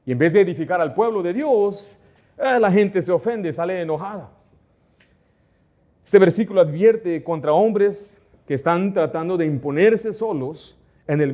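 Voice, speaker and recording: A man's voice: a little high, warm tone. A middle-aged man pastor preaching a sermon in church, asking the congregation rhetorical questions and acting out quoted conversations.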